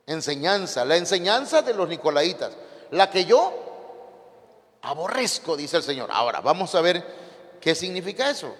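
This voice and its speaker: A man with a Mexican accent preaching a lively sermon to his congregation and putting questions to them. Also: high voice. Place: church hall. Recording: reverberant church hall.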